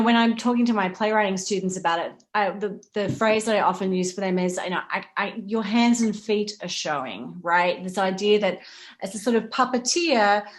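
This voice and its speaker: A woman speaking informally as a panelist, animated and conversational, illustrating her points with examples. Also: mid-range voice. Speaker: panelist, playwriting teacher.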